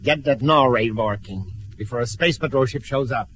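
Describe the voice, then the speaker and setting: A man's voice: medium pitch, normal speed, slight background noise, close to an everyday voice, low-quality recording. A man playing an imperious, villainous space tyrant in a radio serial, giving curt commands. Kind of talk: classic space-adventure radio serial acting. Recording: old radio recording with loud music.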